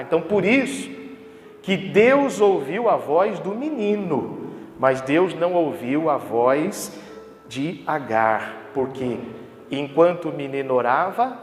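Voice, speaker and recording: A man preaches with rising emphasis, pitching his voice high and peppering the congregation with questions. His words ring out through a large, echoing church hall with a faint hum of ambience behind him. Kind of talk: sermon. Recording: echoey hall with background ambience.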